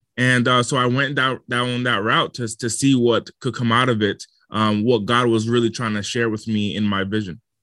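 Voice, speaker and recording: Barely pausing, a man with an American accent speaks at a moderate pace in an ordinary speaking voice. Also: medium pitch for a man, fairly even intonation. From US Northeast, Rhode Island. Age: 20s. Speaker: entrepreneur and motivational speaker. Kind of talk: interview.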